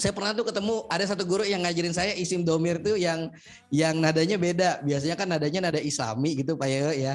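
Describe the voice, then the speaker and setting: Over music in the background, a man speaks in a shrill, high voice at a very fast pace, with hardly any pauses, very even loudness and ordinary pitch variation. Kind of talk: playful, jocular tone.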